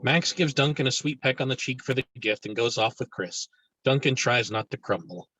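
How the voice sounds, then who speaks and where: A man's voice: medium pitch, moderate pace, bright, forceful tone, breathy edge, low-quality recording. A man reading stage directions aloud as scripted narration for a screenplay table read.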